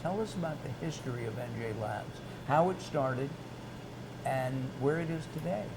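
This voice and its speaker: A man hosting an interview, speaking haltingly and often restarting his words. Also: a little high, creaky. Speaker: interview host. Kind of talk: casual interview. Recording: noisy background.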